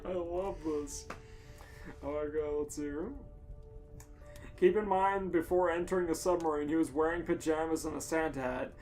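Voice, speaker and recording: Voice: mid-range voice, steady tone, normal speed, a little mellow, soft background music. A podcast co-host reading a comic story aloud in an amused, giggly manner.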